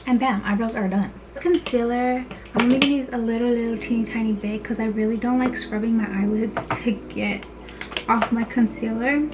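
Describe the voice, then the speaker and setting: A woman's voice: a little high, steady tone, a little fast, noisy background. A young woman chatting playfully through a casual makeup tutorial in a bedroom, her speech slightly slurred by a retainer. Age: young adult. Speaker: beauty vlogger. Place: small bedroom indoors.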